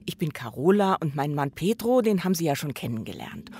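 A woman's voice: deep voice, big pitch swings, fairly quick, warm tone. An actress playing a polite, chatty middle-aged wife and mother in a crime audio drama. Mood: friendly.

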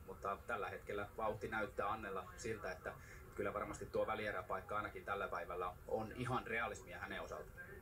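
A man giving measured expert analysis as co-commentator on a ski race. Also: lowish voice. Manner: measured, explanatory. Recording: distant, noisy TV broadcast capture.

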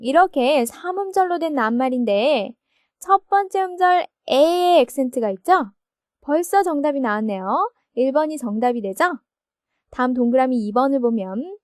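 A woman teaching English grammar in a recorded textbook lesson, explaining slowly and checking each point with her listeners. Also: high voice, a little mellow, no room sound, clean studio sound. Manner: slow, explanatory, asks confirming questions.

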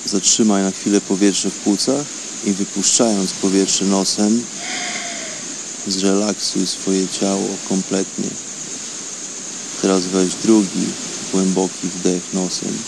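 A man's voice: low voice, takes it slowly. A man leading a guided relaxation, giving breathing instructions step by step. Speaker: meditation guide. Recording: clear steady background hiss.

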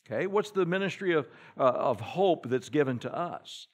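A preaching man with a fairly high voice that leaps all over its range. He fires rhetorical questions at the congregation and reads scripture in old-style wording. His volume swings from hushed pleading to loud declaration. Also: lively intonation, moderate pace, husky. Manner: reads scripture aloud in King James wording. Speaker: pastor. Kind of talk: sermon. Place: church sanctuary.

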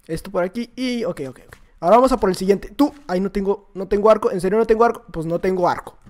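A man with a Mexican accent giving excitable live commentary while playing a game, shouting and joking at his opponents with quick repeated exclamations. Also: high voice. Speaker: YouTuber playing a block-building game.

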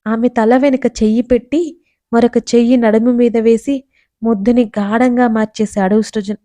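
A woman narrating a romantic story in a calm, even-paced storytelling manner. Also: on the high side, moderate pace.

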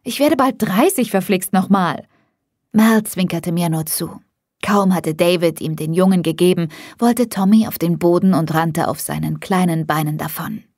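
A woman reading a first-person audiobook in a calm, measured way, close to the mic. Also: fairly low pitch, no room sound. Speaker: audiobook narrator. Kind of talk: scripted first-person narration.

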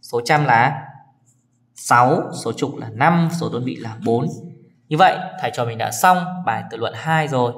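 A man's voice: medium pitch, normal speed, a bit bright. A man teaching a children's math lesson, counting patiently step by step and often checking in with his pupils.

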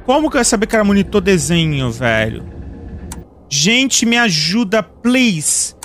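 A young man with a Brazilian Portuguese accent doing let's play commentary as a streamer, reacting with excitable, panicky exclamations directed at his chat. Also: high voice, unhurried, slight background noise. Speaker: gaming streamer.

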